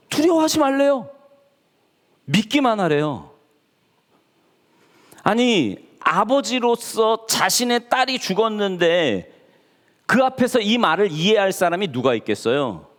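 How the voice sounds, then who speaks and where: A male pastor preaching a sermon in a church, talking to the congregation and acting out the people he quotes. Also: sits high. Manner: animated, acts out quoted voices. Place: church sanctuary. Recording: church hall reverb.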